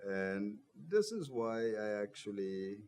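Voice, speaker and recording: A man's voice: on the low side, big pitch swings, slow pace, a little mellow, a little hiss or hum. A young man born in Guyana, a political party coordinator, speaking earnestly as a TV guest and saying "you know" often. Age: young adult. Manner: earnest, repeats "you know", grows passionate. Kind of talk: interview answers.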